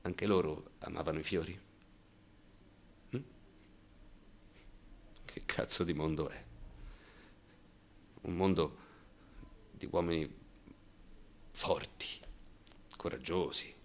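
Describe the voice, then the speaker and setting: Wounded, bitter gay man, radio drama monologue. Low, tense voice, repeats words, throws out sarcastic questions. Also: pushed and bright, exaggerated voice. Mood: anguished, subdued. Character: bitter, wounded gay man denouncing macho military cruelty. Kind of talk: theatrical radio monologue, colloquial and impassioned.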